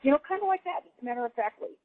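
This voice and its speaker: A woman guest on a radio talk show telling stories in an animated, laughing way. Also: sits high, fast, no echo. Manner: animated storyteller, laughs often. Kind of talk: casual radio chat. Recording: dry phone-line call audio.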